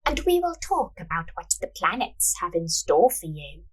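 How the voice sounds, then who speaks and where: A woman voicing a calm, mysterious fortune teller in an audio story, speaking softly and slowly with quiet authority. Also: fairly low pitch, husky. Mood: softly commanding. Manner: slow, soft, authoritative delivery.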